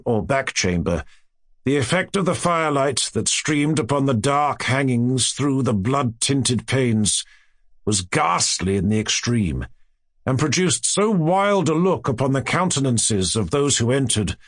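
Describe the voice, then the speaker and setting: A man's voice: mid-range voice, dry recording. Man narrating with sweeping, dramatic intonation. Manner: measured, theatrical storytelling with careful phrasing. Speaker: audiobook narrator. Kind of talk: dramatic literary horror narration.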